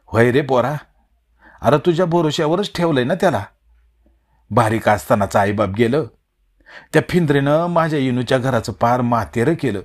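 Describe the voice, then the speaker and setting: A man's voice: mid-range voice, animated, normal speed, pauses often, natural voice. A male narrator voicing a worried, protective old village mother who talks in rustic speech. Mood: bitter.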